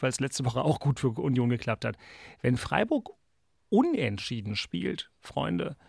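A man's voice: medium pitch, gravelly, dry recording, clean studio sound. A man hosting a casual football talk in a wry, ironic manner. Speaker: football podcast host.

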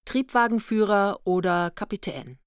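A woman reading literary narration for a radio play in a measured, matter-of-fact way. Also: mid-range voice, clear, resonant tone, no echo, clean studio sound, lightly acted. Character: composed female storyteller narrating a young East Berlin couple's honeymoon.

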